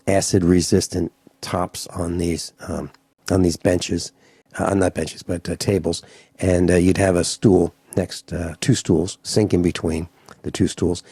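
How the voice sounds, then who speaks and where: A man's voice: low-pitched, gravelly, dark tone, slightly rough, dry recording. A man in his sixties hosting a radio talk show, chatting casually and rambling with restarts and fillers. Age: 60s. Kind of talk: casual radio interview chat.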